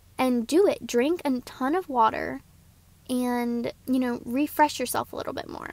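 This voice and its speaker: A woman speaks at a moderate pace in a high pitch. Her intonation stays fairly even. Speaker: podcast host. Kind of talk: casual solo podcast talk. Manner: chatty, informal.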